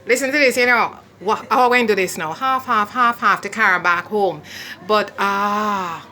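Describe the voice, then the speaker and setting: A woman's voice: medium pitch, moderate pace, sharp tone, poor audio. A woman presenting and interviewing in a casual, chatty vlog style. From Jamaica. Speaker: host of a travel vlog channel, interviewer.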